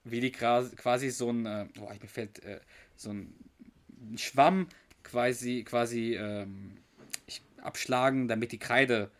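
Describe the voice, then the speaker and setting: A man co-hosts a casual podcast chat in a middle-pitched, ordinary voice. He retells scenes at length, slipping into quoted lines. He sometimes stalls and hunts for words. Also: fairly even intonation, slow. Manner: narrates scenes at length, quoting characters, with hesitations. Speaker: podcast co-host.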